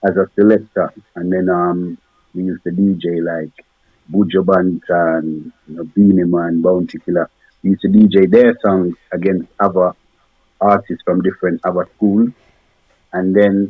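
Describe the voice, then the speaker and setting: A man's very deep, low voice in a monotone, flat intonation. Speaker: reggae dancehall artist. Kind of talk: radio interview.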